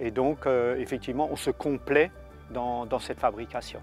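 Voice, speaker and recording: A man's medium-pitched voice with an Alsatian accent, at a moderate pace with fairly even intonation. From Alsace, France. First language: Alsatian (speaking French). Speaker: jam maker. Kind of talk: casual interview. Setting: outdoors.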